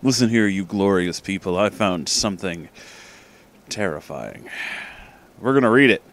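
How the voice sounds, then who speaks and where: A man reads fan fiction aloud as a host, telling it as casual comedic storytelling. His low-pitched voice is animated and fairly bright at a moderate pace, and his informal hosting comes with emphatic, dramatic delivery.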